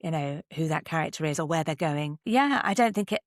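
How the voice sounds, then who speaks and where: A woman's voice: sits low, animated, brisk, no room sound, clean studio sound. A middle-aged British woman talking conversationally as an interview guest, reflective and articulate as she shares advice. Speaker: podcast guest, actor and voice artist.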